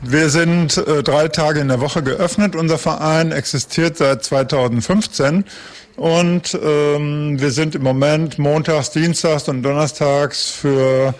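Fluent man explaining, slightly high voice. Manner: fluent, explanatory, matter-of-fact. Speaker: association staff member. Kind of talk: explanatory interview.

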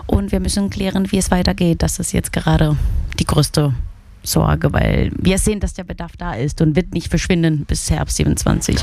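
A woman speaking about her project work in an interview, earnest and measured with occasional fillers. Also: fairly low pitch, big pitch swings, gravelly, mellow. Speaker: project worker. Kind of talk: interview answer.

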